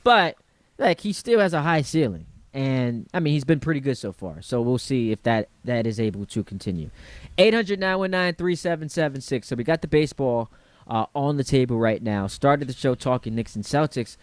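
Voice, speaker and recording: A man's voice: mid-range voice, lively intonation, normal speed, no room sound. A man hosting sports talk radio, chatting in a conversational style.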